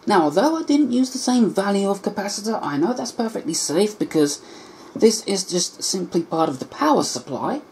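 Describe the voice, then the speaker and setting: A woman's voice: medium pitch, very animated, normal speed, darkish tone, slight background noise. A woman narrating a hands-on repair in an explanatory, step-by-step manner, as a vlogger. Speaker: vlogger repairing vintage electronics. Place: indoor home workshop.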